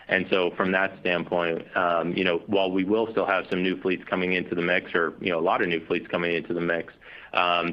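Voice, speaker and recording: A man speaking as a company executive on an earnings call, explaining things in spontaneous business language with conversational tags. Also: sits low. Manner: explanatory, frequent you know and right as tags. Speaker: company executive answering analyst questions. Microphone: conference call line. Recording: dull, lo-fi conference call audio.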